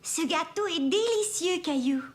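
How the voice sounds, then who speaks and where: A woman's voice: very high voice, expressive, measured pace. A woman playing a friendly, helpful neighbour in a French children's cartoon dub.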